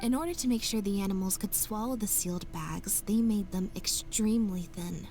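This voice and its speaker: A young detective from a video game, voiced by a woman lays out the logic of a crime. Her voice sits in a plain middle register and stays measured and explanatory throughout. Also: mid-range voice, warm tone, faint music behind, natural voice. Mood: explaining. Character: sharp young woman detective laying out deductions. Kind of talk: game voice acting.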